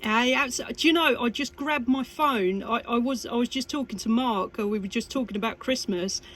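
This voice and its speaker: Chatty, high-voiced woman on CB radio. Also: normal speed, fairly bright tone. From United Kingdom. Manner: exclamatory, chatty. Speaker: amateur CB radio operator. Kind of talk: two-way radio chat. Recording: radio contact with faint static.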